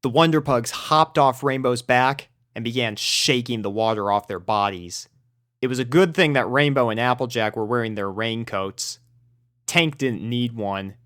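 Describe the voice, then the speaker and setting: A man narrating a fan-written pony story in a steady storybook manner. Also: mid-range voice, normal speed, dry recording, studio quality. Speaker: fanfic reader.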